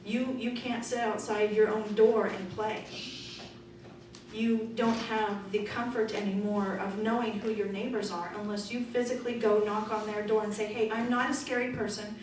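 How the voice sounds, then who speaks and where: A woman's voice: medium pitch, little pitch movement, moderate pace. Forthright woman in an echoey hall. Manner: loud, forthright, conversational. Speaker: political candidate. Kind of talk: candidate forum answers. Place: meeting room. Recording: echoey room from far off, noisy.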